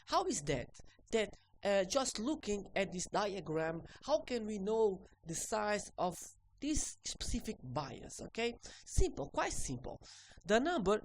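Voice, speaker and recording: A woman whose first language is Portuguese, teaching a recorded repair lesson in halting English and ending most sentences with "okay?". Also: mid-range voice, darkish tone, slight background noise, rough recording.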